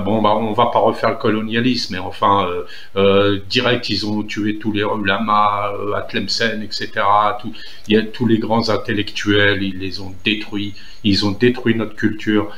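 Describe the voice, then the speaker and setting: Man, from Algeria, low voice, hesitant, many fillers, earnest monologue, echoey room. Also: a bit bright. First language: Algerian Arabic (Derja). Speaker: political commentator. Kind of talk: casual monologue video.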